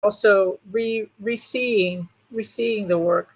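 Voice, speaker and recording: A woman's voice: mid-range voice, fairly even intonation, takes it slowly, slightly rough, low-quality recording. A woman moderating a conversation with a theater artist, speaking thoughtfully and searching for her words. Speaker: interview moderator. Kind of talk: conversational interview.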